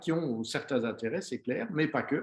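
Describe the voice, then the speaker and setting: In a Liège accent, a man speaks at a moderate pace. His pitch shows ordinary variation. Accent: Belgian (Liège). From Belgium, Liège region. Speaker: biochemist and wellness coach. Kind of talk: conference talk.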